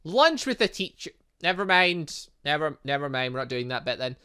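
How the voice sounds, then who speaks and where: A man's voice: fairly high pitch, big pitch swings, normal speed, sharp tone, smooth. A man giving casual let's play commentary on a visual novel, chatting and thinking aloud as he plays and reading bits of game text. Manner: chatty, thinking aloud, muttering asides to himself. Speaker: gaming channel host playing a visual novel.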